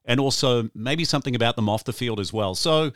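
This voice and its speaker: A man's voice: mid-range voice, brisk, a bit bright, dry recording, studio quality. A man hosting an interview, asking questions in an upbeat, enthusiastic way. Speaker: host, sports announcer. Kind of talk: podcast interview.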